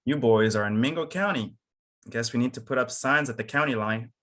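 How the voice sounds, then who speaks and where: A man's voice: medium pitch, brisk, fairly bright tone, natural voice. A man playing a stubborn, protective small-town man of authority at a screenplay table read. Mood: firm, wry.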